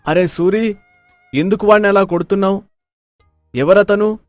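High-pitched, aggrieved village farmer played by a man. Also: moderate pace, no room sound, faint music behind, close to an everyday voice. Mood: surprised. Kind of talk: animated moral story dialogue.

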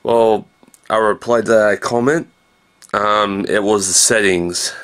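A man in his thirties talks to a handheld camera in a small room. His voice is fairly low and full of gravelly creak. He takes his time, drifting slowly through everyday subjects in a low-key, casual way. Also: a bit bright. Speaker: vlogger. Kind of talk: casual rambling video diary. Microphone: handheld camera at arm's length.

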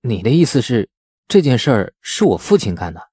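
A man's voice: medium pitch, sing-song, brisk, mellow, husky, dry recording, studio quality. A man voicing an anxious, doubting male character in an audiobook, questioning and protesting.

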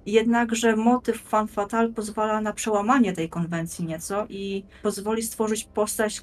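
A woman in her thirties speaking as a guest, explaining things in a measured, articulate and rather formal way. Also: mid-range voice, a little hiss or hum. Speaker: guest, blogger and game master. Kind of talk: conversational explanatory presentation. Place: plain room indoors, on video call.

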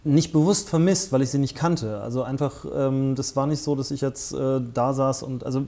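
Man in his forties, dark voice, halting interview guest with many fillers and restarts. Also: medium pitch. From northern Germany. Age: 40s. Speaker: interview guest, festival founder. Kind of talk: conversational interview. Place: small studio set with armchairs. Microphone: lapel mic.

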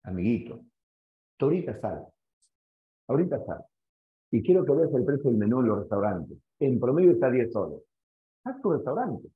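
A man with a Peruvian accent teaching economics in an animated, questioning way, acting out little stories for his students. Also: mid-range voice, fairly quick. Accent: Peruvian Spanish. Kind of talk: lively classroom lecture. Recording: echoey room, dull sound.

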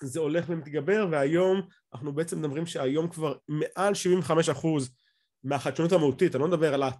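A middle-aged academic with an Israeli accent and a slightly high, darkish voice lectures over slides on a video call. Speaking off the cuff, he explains things while frequently restarting his phrases.

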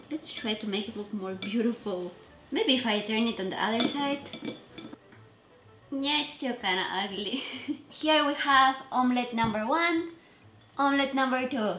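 A woman's voice: fairly high pitch, background noise. Chatty woman vlogging in an echoey kitchen. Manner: chatty, self-deprecating, trails off mid-sentence. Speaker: cooking vlogger. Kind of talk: casual cooking vlog. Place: home kitchen.

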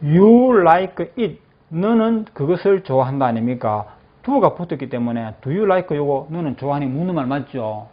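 A male English teacher in a classroom, saying phrases slowly and then explaining them, often checking that the class follows. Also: mid-range voice, expressive. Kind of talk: classroom lecture with repeat-after-me drills. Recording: dull lo-fi classroom recording.

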